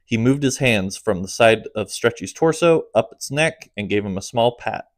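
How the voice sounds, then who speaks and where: With a fairly low voice and a normal, steady storytelling speed, a man narrates his own comic audiobook, letting phrase endings sink. The recording is intimate and dry, with no room sound or echo.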